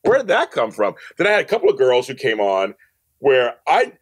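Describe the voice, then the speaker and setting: A man's voice: medium pitch, huge pitch swings, brisk. A man talking casually as an interview guest, emphatic, often repeating phrases and acting out quotes. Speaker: podcast guest, audio drama producer and director.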